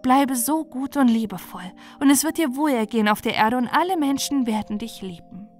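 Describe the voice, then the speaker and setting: A woman's voice: a little high, lively intonation, normal speed, a little mellow, soft background music, natural voice. A woman voicing a tender, kindly winged Christ Child in a storybook. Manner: tender, reassuring.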